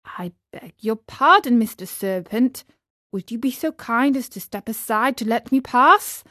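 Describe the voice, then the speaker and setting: A woman's voice: high voice, expressive, unhurried, a bit bright, dry recording, studio quality. A woman voicing a naive young wooden puppet boy in a storybook reading, speaking in an earnest, pleading, childlike way. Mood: sweetly pleading. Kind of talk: storybook character voice.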